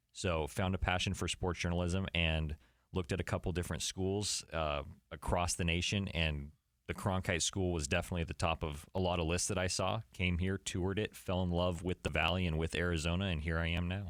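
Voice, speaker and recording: A man with an American accent and a very deep, low pitch, talking at a fairly quick pace with fairly even intonation and very even loudness, on a very clean recording with a silent background. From Southern California. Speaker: student sports broadcaster. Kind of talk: radio interview.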